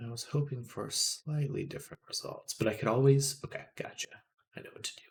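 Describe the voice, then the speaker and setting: A man speaks at a fairly quick pace. His loudness swings widely. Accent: American. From California, US. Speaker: 3D artist streamer. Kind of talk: live stream tutorial. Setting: live stream. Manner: muttering.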